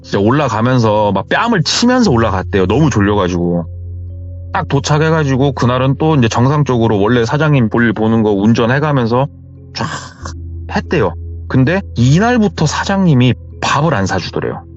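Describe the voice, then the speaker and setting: A man tells a story casually, as if passing on what a friend told him. His pitch swings in a lively way while the sound stays slightly dull. Faint music runs beneath him. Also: a little fast. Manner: chatty retelling of hearsay. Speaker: horror story narrator.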